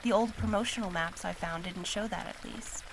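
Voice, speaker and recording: A woman playing a cautious, bookish character in an audio drama, speaking in a measured, dry, precise way. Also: fairly low pitch, noisy background, lightly acted. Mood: matter-of-fact. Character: cautious, bookish, matter-of-fact young woman.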